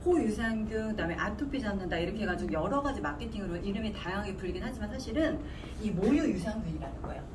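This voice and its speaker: Lively woman presenter in a roomy, noisy space. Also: mid-range voice, fast talker, hardly any pauses. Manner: didactic, repeats key terms and quizzes listeners. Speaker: product presenter teaching supplement ingredients. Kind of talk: informal sales lecture with questions to listeners. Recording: roomy, noisy recording from a distance.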